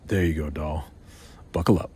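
An actor playing a protective, defiant yet tender male spy in an intimate audio drama, with a husky voice. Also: very deep voice, fairly even intonation, moderate pace, dark tone, a little hiss or hum. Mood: gentle.

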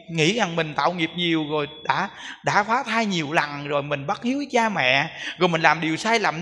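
A Buddhist monk giving an emphatic sermon, full of rhetorical questions and repetition. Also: male voice, high-pitched, bright, forceful tone, in a large hall.

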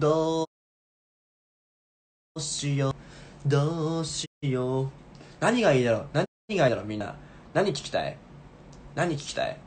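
A man's voice: on the high side, a little hiss or hum. Playful young man livestreaming. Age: 20s. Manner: playful, repeats short phrases. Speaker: live streamer chatting with viewers. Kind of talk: casual livestream chat. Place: small room indoors. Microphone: phone at arm's length.

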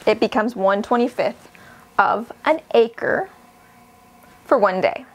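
A young woman, a shepherd, explaining grazing in a steady, practical instructional lesson, recorded indoors at a whiteboard. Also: fairly high pitch, slow pace. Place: indoors in front of a wooden wall and whiteboard.

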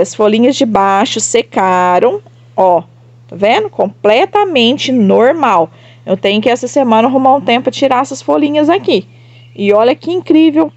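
This enthusiastic Brazilian plant seller, with a southern Minas Gerais Portuguese accent, casually presents her succulents and talks straight to her followers in a gushing way. Her voice is on the high side with vocal fry. The recording is dry and lo-fi.

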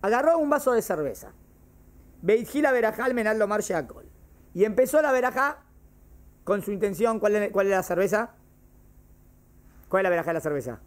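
A man's voice: high voice, expressive, normal speed, pauses often. A man teaching a classroom lesson on Jewish law, repeating each case and checking that his students follow. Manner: explains by repeating cases and quizzing students. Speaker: religion teacher.

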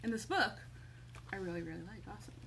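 A storytime host and children's librarian reads and chats with young kids from her living room, her delivery expressive and sing-song. She talks fast, with a medium-pitched, creaky voice. Faint background noise runs through the home recording.

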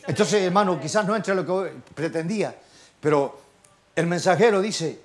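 An older man with a Chilean accent preaching a fervent sermon, swinging from quiet asides to shouted exclamations and firing rhetorical questions at the congregation. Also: high voice, normal speed. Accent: Chilean Spanish. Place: church service.

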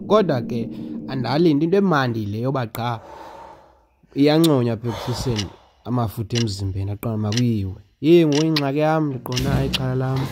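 A man's voice: mid-range voice, background noise. A young man with a South African Xhosa accent in a casual vlog, urging and psyching himself up with repeated exclamations as he switches between languages. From Eastern Cape, South Africa. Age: young adult. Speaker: vlogger. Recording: music under the voice. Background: background music.

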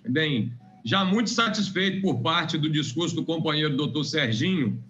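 A man's voice: on the high side, animated, moderate pace, a bit bright, dull audio. A man giving an emphatic, formal parliamentary speech as a state legislator in a legislative chamber, repeating points for weight.

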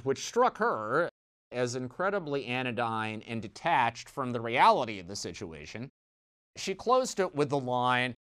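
Wry man giving news commentary. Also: mid-range voice. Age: middle-aged. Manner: wry, conversational, lively emphasis with dry asides. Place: small dark studio set, indoors. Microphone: lapel mic.

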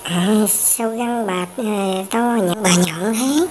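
Woman as high-voiced little red-hat girl. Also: takes it slowly. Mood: curious, puzzled. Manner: pleading, repeats herself. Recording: faintly noisy home-made cartoon dub.

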